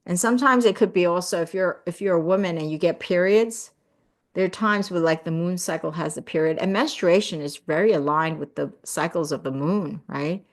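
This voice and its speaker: A middle-aged woman, born in South Korea and raised in the US, hosts a casual live stream with a slightly low voice. She talks warmly and earnestly, filling her sentences with "you know" and "right?". She grows lively when she thanks viewers. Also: a little fast. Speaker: live stream host reading viewer comments. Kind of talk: casual live-stream chat about spirituality.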